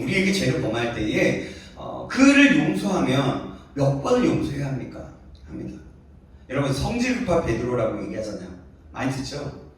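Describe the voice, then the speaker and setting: A male pastor giving a sermon to a youth congregation, conversational and full of questions to the listeners. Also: a little high. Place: church sanctuary. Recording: very echoey hall, voice from a distance.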